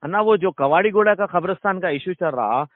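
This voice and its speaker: A man's voice: high voice, brisk, no room sound. A man with a Hyderabadi accent making a deferential request in an informal recorded phone call. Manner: deferential, repeating short acknowledgments. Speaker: community caller petitioning a minister. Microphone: phone line.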